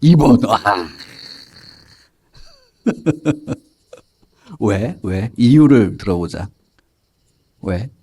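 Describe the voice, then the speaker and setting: A man's voice: on the low side, lively intonation, drawn-out words, pauses often, dark tone, breathy edge. A man teaching a Sunday school Bible lesson to children, telling the story and quizzing them by name in a playful way. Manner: playful, joking.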